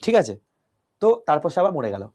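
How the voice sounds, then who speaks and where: Soft-spoken male physics teacher, mellow tone. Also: on the high side, sing-song, quick pace. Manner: talks softly to a close mic, explaining step by step with rhetorical questions. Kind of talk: online class lecture. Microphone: close mic.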